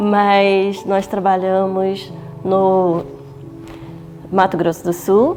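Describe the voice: Music plays in the background beneath fairly even intonation. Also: woman.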